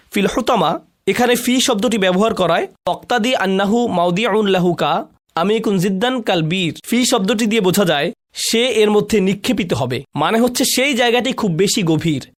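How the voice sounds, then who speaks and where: A man delivering a dubbed religious lecture, explaining meanings and putting questions to his listeners. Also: sits high. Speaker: Quran lecturer.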